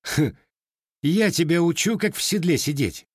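In a storybook reading, a man voices a proud, sharp-tongued young armorer, pitching him a little above his narrator voice. The character sounds mocking, dry and curt yet expressive, a little slow and slightly rough, recorded close and dry with no echo.

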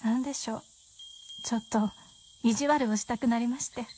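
上品な言葉遣いで夫をからかう作家の妻を演じる女性俳優。ラジオドラマの芝居。. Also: female voice, on the high side, steady tone, moderate pace, a little mellow, slight background noise, lightly acted. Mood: wry. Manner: polite, teasing, genteel speech. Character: refined wry wife of a novelist. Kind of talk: radio drama acting.

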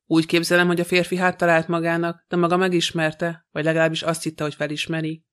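Man reading frightened young woman, pleading, tearful, very flat delivery, smooth voice, audiobook. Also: a little high, close to an everyday voice. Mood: insistent.

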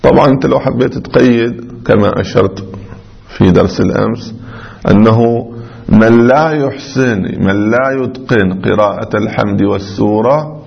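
A man teaches a religious law class, working through each point and sounding out letters as examples. His lowish voice has a gravelly edge. The recording is dull and lo-fi. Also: normal speed. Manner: explains step by step, repeating examples and sounding out letters. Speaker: seminary teacher. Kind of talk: religious jurisprudence lecture.

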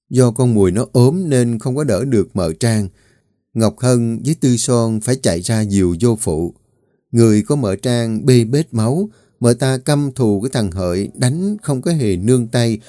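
A man narrating a family drama story in a calm, even storytelling voice. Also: medium pitch, dry recording, studio quality.

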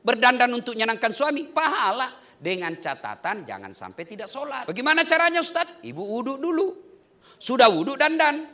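A man's voice: very high voice, brisk. A man preaching a humorous sermon on marriage, joking with the congregation as he goes. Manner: joking, lively delivery with playful asides to the congregation.

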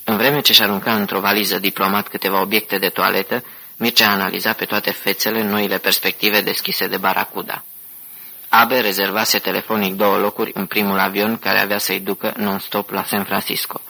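A man narrating an audiobook in a steady, even storytelling manner. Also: fairly low pitch, gravelly, rough recording.

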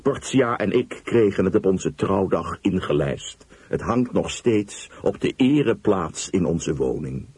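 A man reading a story aloud in the first person, with expressive narration. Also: sits low, measured pace, hardly any pauses, breathy edge, dry recording. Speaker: storyteller, reader. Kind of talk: audiobook reading.

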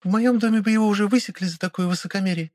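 A man voicing a blunt, sharp-tongued, haughty young noblewoman. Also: sits high, racing, pitched above the performer's own voice, lightly acted. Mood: scornful. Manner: blunt, scornful. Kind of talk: audiobook character voice.

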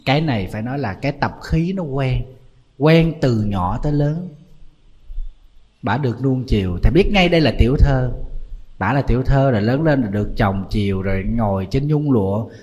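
A man, a Buddhist monk giving a lively storytelling sermon full of exclamations. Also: mid-range voice, normal speed, breathy edge, muffled recording.

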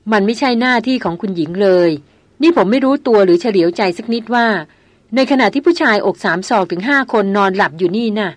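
A woman voicing a gruff adult male jungle hunter who speaks curtly and sternly in an audiobook. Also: fairly high pitch, lively intonation, fast talker, no room sound. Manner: curt, stern.

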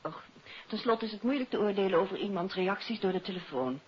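Lady playing curious affectionate wife in 50s dutch radio play, mid pitch, muffled old broadcast sound. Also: expressive, brisk, a little hiss or hum, lightly acted. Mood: thoughtful. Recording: dull old radio recording, music behind.

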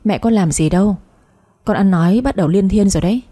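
A middle-aged stepmother who sweet-talks and dodges questions, read by a woman storyteller. The voice is dark and husky. It is a spoken storybook telling. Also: mid-range voice, fast, natural voice. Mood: defensive. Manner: honeyed, evasive.

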